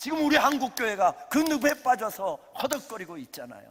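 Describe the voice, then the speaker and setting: Shouting in a raised, projected voice, a man with an extremely high pitch speaks at a moderate pace with lively intonation. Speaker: guest preacher. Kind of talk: sermon. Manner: loud, shouting.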